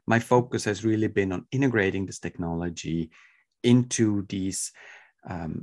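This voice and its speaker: Swiss-accented man, lowish voice. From Switzerland. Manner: enthusiastic, thoughtful, many fillers and restarts. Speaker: guest. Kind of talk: podcast interview.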